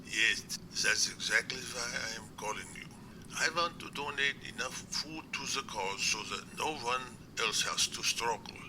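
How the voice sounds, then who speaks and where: A man playing an earnest, courteous doctor in an amateur audio drama, speaking in a formal, measured way. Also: medium pitch, natural voice. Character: earnest, courteous male doctor, secret Sasquatch researcher. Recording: clear background noise.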